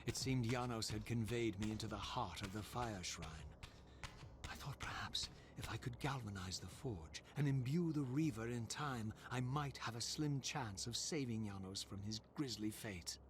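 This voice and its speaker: A man's voice: medium pitch, normal speed, a little hiss or hum, natural voice. A man playing an anguished, eloquent undead spirit of vengeance in a video game, with formal, theatrical diction. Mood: brooding, haunted. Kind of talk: dramatic video game acting and narration. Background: game music.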